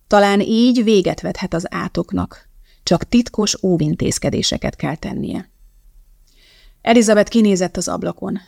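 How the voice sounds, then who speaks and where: A woman narrating an audiobook in an even, measured storytelling manner. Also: on the low side, creaky, dry recording, studio quality. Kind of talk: scripted narration.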